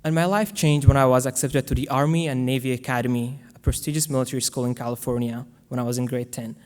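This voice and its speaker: A young man from Afghanistan, giving an earnest, measured prepared speech as guest speaker to a school audience. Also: medium pitch, steady tone, darkish tone. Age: young adult. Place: large school hall. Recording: long hall reverb.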